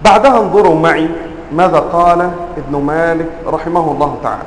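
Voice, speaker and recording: A high-pitched man lectures on grammar to a room of students. He keeps firing questions at the class and stretches out each example word for emphasis. The room is roomy and echoing, with a faint hum of ambience behind him. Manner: quizzes the class with frequent questions; drawls example words slowly and emphatically. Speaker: teacher of Arabic grammar.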